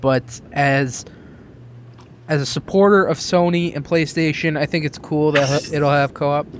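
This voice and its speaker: A man's voice: a little high, fairly even intonation, unhurried. A man hosting a podcast in a casual, chatty style. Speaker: podcast host. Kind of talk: casual chat. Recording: dull lo-fi voice chat, noisy.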